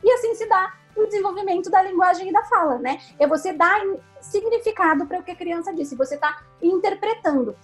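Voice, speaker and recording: A woman's voice: very high-pitched, lively intonation, fairly quick, soft background music. A woman speech therapist, a guest on the show, patiently explaining step by step with examples and often checking with "né?". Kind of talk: explanatory interview answers.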